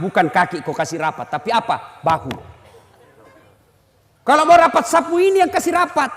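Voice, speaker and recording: A middle-aged man preaching a humorous sermon, telling stories animatedly and acting out the people in them. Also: sits high. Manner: animated storytelling, acts out characters, frequent laughter. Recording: long hall reverb.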